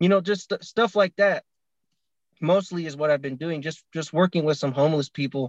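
A man with an American accent has a plain, everyday voice pitched fairly high, with ordinary pitch variation. He speaks at a fairly quick pace in a dry, close sound with no echo. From California. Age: 20s. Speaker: telecom technician. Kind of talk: casual interview.

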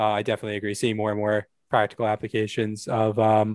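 A man talks at a very fast pace. His fairly low voice stays monotone and flat. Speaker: university student, club president. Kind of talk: interview. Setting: video call.

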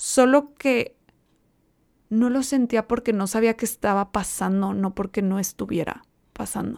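In a very clean recording with a silent background, a woman with a fairly high pitch and ordinary pitch variation talks at a fairly slow pace, taking long, frequent pauses. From northern Mexico, Torreón. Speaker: psychologist and podcast host. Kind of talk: advice podcast monologue. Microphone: new microphone.

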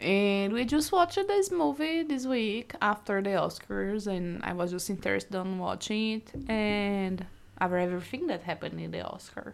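Moderate pace and hardly any pauses, on a very clean recording with a silent background. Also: woman. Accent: Brazilian. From Brazil. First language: Portuguese. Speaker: PhD student, host's wife. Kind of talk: casual chat.

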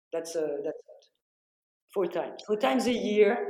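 Lively intonation marks a woman's fairly high voice at a moderate pace. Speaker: artist's descendant. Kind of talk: oral history interview.

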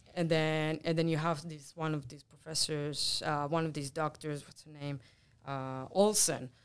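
A woman with an Israeli accent speaks in a very deep, low, flat monotone at a moderate pace, her loudness swinging widely. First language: Hebrew. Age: 30s. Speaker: activist. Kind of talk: casual interview.

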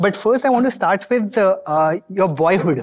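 This man's intonation is lively. His pitch sits high. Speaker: podcast host. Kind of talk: interview.

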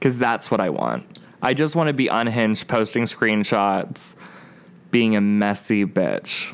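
A man speaks at a fairly slow pace with a medium pitch, ordinary pitch variation and very even loudness. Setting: outdoors. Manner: animated, chatty.

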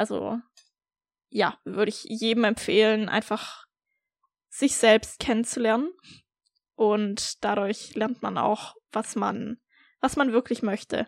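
A fairly high-pitched female voice, very slow with long, frequent pauses and fairly even intonation, in a very clean, dry, close recording with a silent background and no echo. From Baden-Württemberg, Germany. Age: 20s. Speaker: bodybuilding podcaster. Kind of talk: casual monologue.

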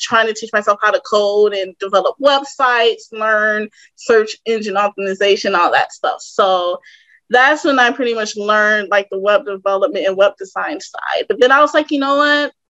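A woman's bright, sharp tone sits at a fairly high pitch, moving at a moderate pace. Her pitch varies in an ordinary way, and the sound is dry and close with no echo. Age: 20s. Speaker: data engineer. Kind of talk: casual chat.

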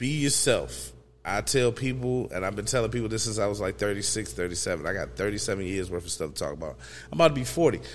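In a fairly low pitch, a man talks at a fairly quick pace with vocal fry, an animated tone and very wide pitch swings. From Virginia (Emporia). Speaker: stand-up comedian and open mic host. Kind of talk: casual chat.

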